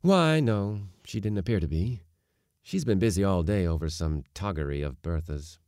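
Guy doing a kind understated storybook dad, middle-aged country doctor, mellow and dry sound. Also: low voice, lively intonation, normal speed, no echo. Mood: gently reassuring. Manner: quiet, understated, reassuring.

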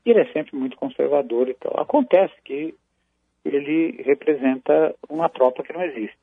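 Gravelly Brazilian man on a phone line. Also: a little high, no echo. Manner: measured, halting, many restarts and tags. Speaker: commentator on military affairs. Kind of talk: phone-in analysis on a news program.

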